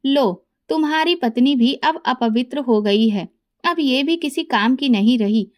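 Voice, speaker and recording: A woman's voice: high-pitched, a little slow, darkish tone. A woman voicing a scheming, mocking brother-in-law in a spoken story, taunting in tone.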